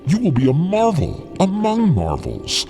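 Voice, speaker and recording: A man's voice: a little high, wildly swooping pitch, a little slow, music in the background, exaggerated voice. A man playing a smug, manipulative and condescending schemer in an audio drama, with theatrical, needling delivery. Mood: taunting, grand. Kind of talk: dramatic audio fiction acting.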